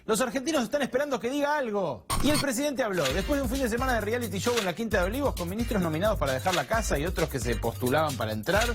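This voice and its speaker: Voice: medium pitch, animated, very fast, few pauses. Mocking sing-song satirical narrator. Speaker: voice-over narrator. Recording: music bed under voice.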